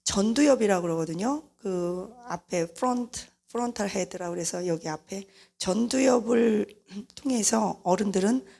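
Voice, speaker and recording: A middle-aged woman preacher giving a lively sermon-style talk about parents and children, acting out family voices along the way. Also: medium pitch, moderate pace, creaky, few pauses, slightly rough. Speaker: mission leader and preacher.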